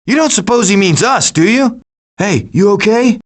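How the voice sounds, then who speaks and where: A wisecracking raccoon schemer for an animated video game, in a high-pitched voice. He is cocky and glib, leading his crew of animals with sarcastic quips. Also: moderate pace.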